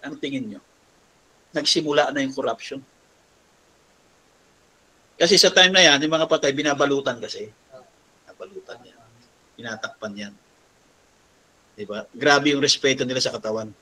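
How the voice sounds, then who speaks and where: A man's voice: on the high side, normal speed, pauses often, pushed and bright. A man preaching a sermon, who quotes English passages and keeps asking his listeners "di ba?". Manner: mixes Tagalog with English quotes, asks "di ba?" often. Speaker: pastor.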